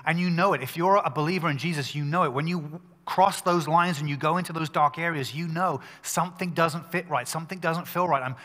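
A male pastor preaching a sermon at a pulpit microphone, talking in an emphatic, conversational way with quick restarts. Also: fairly high pitch, pushed and bright, long reverb tail.

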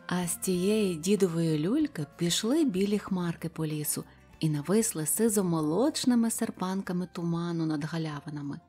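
A woman narrating a storybook fairy tale in a gentle, unhurried manner. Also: fairly low pitch, husky.

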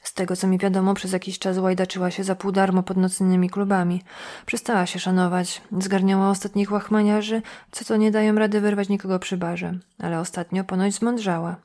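A woman's voice: medium pitch, level tone, brisk, mellow, lightly acted. A woman reading an audiobook voices a brash, street-smart woman who talks in a coarse, mocking way. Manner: coarse, sneering, blunt. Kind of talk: audiobook dialogue.

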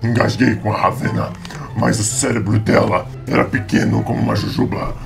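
A man voicing a hulking, hungry monster in an improvised comic game skit, with gravelly menace and theatrical exaggeration. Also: on the low side, fairly even intonation, moderate pace, over music. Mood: gloating, menacing. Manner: exaggerated, theatrical threats and cackles. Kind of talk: improvised comic video game role-play.

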